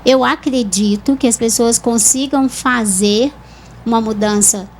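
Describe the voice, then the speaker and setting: A woman with a Brazilian accent, a speech therapist calmly explaining voice and articulation in a TV interview. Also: fairly high pitch, unhurried, a little hiss or hum, rough recording. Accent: Brazilian Portuguese. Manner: calm, didactic explanations with examples.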